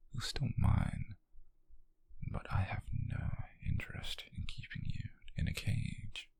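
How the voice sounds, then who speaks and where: A British man playing a wealthy, possessive nobleman who is coolly controlling yet tender, in an intimate ASMR roleplay, with slow, condescending endearments in a husky near-whisper. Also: lowish voice, a little mellow, full character voice. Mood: amused, possessive.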